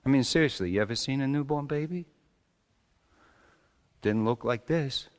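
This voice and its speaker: A man playing an exasperated, wry, awestruck Jewish carpenter, telling his story as a theatrical comic monologue, moving between hushed asides and loud exclamations. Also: medium pitch, moderate pace, close to an everyday voice. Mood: wry, confiding. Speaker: storyteller preaching in character. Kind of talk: comic dramatic monologue to a congregation. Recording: reverberant hall.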